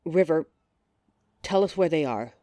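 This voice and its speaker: A slow, very animated voice , acted by a woman, plays a female werewolf in an audio drama. She is desperate yet defiant, pleading and exasperated. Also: low-pitched, dry recording, clean studio sound.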